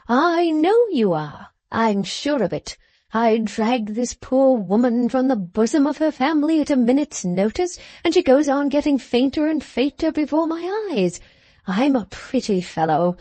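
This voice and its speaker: A woman reading an audiobook, voicing an impetuous, bossy older gentleman who talks in abrupt commands. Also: high voice, lively intonation, measured pace, no room sound, voice pushed up. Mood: brusque. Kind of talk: audiobook character voice.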